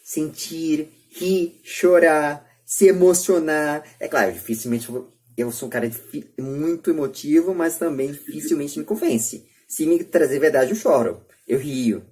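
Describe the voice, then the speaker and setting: Brazilian male podcaster, husky, slightly high voice, earnest, building points in short repeated phrases. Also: a little slow, darkish tone. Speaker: podcast debate participant. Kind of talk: casual opinionated podcast talk.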